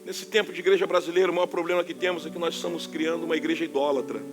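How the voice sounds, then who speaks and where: A Carioca man preaching in a high voice with forceful emphasis that sounds like scolding. A faint instrument plays under his words. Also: little pitch movement, very fast, music in the background. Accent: Carioca Portuguese. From Rio de Janeiro, Brazil. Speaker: pastor. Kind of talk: sermon.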